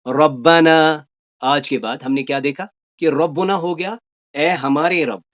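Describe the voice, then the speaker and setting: A man teaching a Quranic Arabic grammar lesson. He recites verses slowly and then explains them briskly. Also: fairly high pitch, fairly bright tone, muffled recording.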